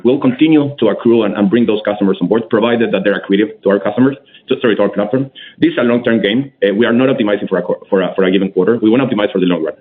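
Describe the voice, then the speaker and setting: A man with a fairly low voice talks very rapidly over a tinny phone line. He answers as a company executive, businesslike and emphatic. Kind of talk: answering questions on an earnings call.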